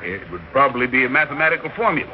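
A man playing a brisk professor. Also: medium pitch, very animated, lo-fi sound, close to an everyday voice. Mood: explaining.

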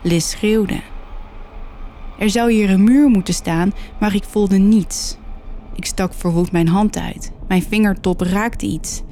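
A woman narrating a horror story in a steady, measured way. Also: medium pitch, slight background noise.

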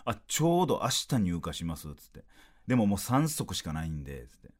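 A man in his thirties with a Kansai Japanese accent, a comedian hosting a solo podcast where he tells stories. His voice is low but swings lively, and he's animated, acting out dialogue in quick bursts.

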